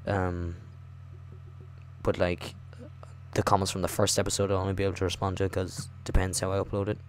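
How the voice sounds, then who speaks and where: A man hosting a gaming video, chatting casually and reading a visual novel aloud in a hushed, late-night voice. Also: low-pitched, monotone, brisk. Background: music.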